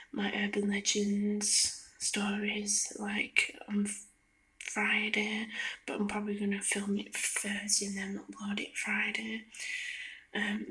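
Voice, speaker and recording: Whispering woman, monotone ASMR ramble. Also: medium pitch. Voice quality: whispered, breathy. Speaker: ASMR video creator. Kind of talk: soft-spoken ASMR ramble. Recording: lo-fi ASMR recording.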